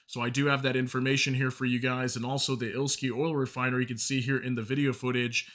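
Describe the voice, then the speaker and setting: A man hosting an informal news channel briefing, a little hoarse from a sore throat, talking viewers through war updates in a casual, chatty way. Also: mid-range voice, level tone, fast, a bit bright. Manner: informal, addresses viewers as guys, apologizes for stumbles.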